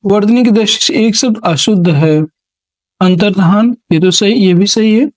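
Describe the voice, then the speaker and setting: Going through multiple-choice spelling questions for exam prep, this Hindi teacher reads every option out loud, repeats words, and identifies the right one. It's a classroom lesson delivered at medium pitch and moderate pace, with no room sound.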